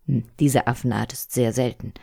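A woman's voice: extremely low pitch, steady tone, normal speed, gravelly, a little mellow, husky, dry recording, clean studio sound, exaggerated voice. A woman voicing a nervous eight-year-old boy in a storybook reading, hesitant and trying to sound clever. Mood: explaining.

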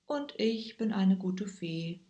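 Woman voicing a sad, hushed fairy. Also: mid-range voice, expressive, slow, dull audio. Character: sad female fairy with drooping wings. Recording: echoey room.

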